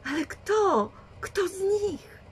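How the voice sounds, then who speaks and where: A woman voicing a frightened, trusting young woman with a high pleading voice in a read storybook. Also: very animated, slow pace, a little hiss or hum.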